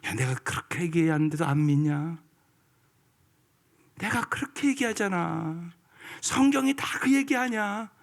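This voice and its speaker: A man's voice: on the high side, lively intonation, measured pace, gravelly, pauses often, voice pushed up. A pastor voicing God as a stern male figure scolding his doubting people. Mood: exasperated. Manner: exasperated scolding.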